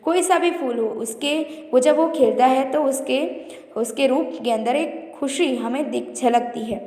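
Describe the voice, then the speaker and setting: A woman's voice: high voice, unhurried, warm tone. A woman teacher going through a school revision lesson, explaining step by step and listing word pairs. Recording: echoey room reverb.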